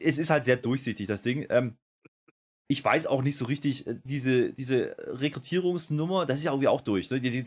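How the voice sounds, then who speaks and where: A man co-hosting a wrestling podcast in casual chat, ranting in a rambling, animated way. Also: mid-range voice.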